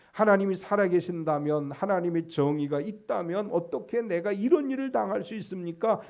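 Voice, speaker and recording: A man's voice: high voice, gravelly, warm tone. A man preaching a sermon as pastor, quoting scripture and speaking with emphatic rises and drops.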